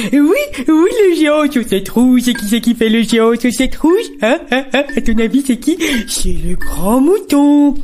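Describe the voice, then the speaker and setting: A put-on character voice that sounds female, fairly high in pitch, at a moderate pace, with clear background noise. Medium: audio drama. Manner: teasing, giggly.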